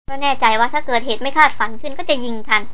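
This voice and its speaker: A woman narrating a novel in a high, bright voice that sits well above most women's. She moves through the text at a fast clip, with an even, steady storytelling read. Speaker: audiobook reader. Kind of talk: scripted narration of an adventure novel.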